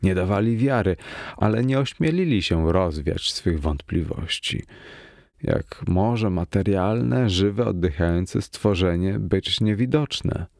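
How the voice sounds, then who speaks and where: A man with a low, gravelly voice reads a first-person horror tale with mounting tension. The sound is close and completely dry, with no room around it. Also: slow, no room sound. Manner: tense, expressive, rising to cries in the quoted lines. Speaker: audiobook narrator. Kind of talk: dramatic reading of a first-person horror story.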